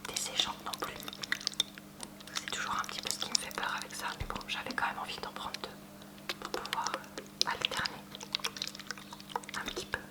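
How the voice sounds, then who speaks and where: Whispering woman, ASMR unboxing. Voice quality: breathy whisper. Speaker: ASMR video creator showing purchases. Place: at home.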